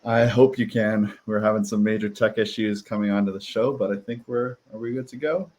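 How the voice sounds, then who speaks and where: A man co-hosting a live podcast over a video call, giving breezy, upbeat announcements and shout-outs. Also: on the low side, steady tone, a little fast. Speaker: podcast co-host and producer. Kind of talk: casual live-stream announcements.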